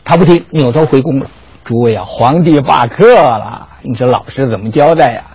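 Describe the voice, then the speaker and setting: An older man giving a storytelling history lecture, lively and animated, often asking his listeners rhetorical questions. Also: medium pitch, normal speed, slightly rough, dull audio.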